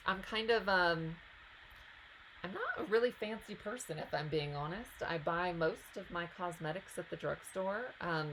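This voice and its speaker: A woman's voice: lowish voice, fairly bright tone, slight background noise, low-quality recording. A woman hosting a live stream, reading out viewer questions and answering them in a chatty, casual way.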